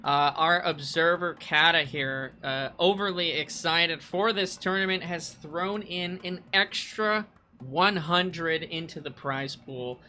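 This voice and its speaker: A man casting a strategy game tournament with excitable, playfully exasperated banter. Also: a little high, slow pace, slight background noise. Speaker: esports caster. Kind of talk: live game commentary. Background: faint music.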